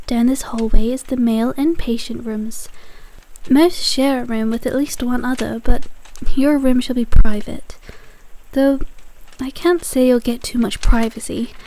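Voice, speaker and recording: Woman acting prim proper nurse lady, kinda high voice, kind but firm, asmr roleplay audio drama. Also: close to an everyday voice, low-quality recording. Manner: formal, courteous, gently euphemistic. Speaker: nurse guiding a patient.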